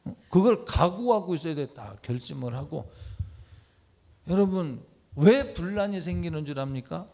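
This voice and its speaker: Gravelly, mellow-voiced man preaching a sermon. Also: on the high side, lively intonation, moderate pace. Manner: conversational preaching, swinging from loud exhortation to soft asides; acts out quoted speech and asks the congregation questions. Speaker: pastor. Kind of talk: midweek church sermon. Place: church service.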